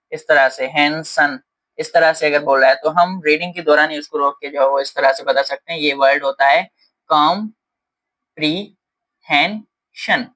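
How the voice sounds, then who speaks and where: A man's voice: a little high, a bit bright, poor audio. A man teaching a lesson, explaining step by step in a patient way with frequent fillers. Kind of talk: explaining lesson in Hindi-English mix.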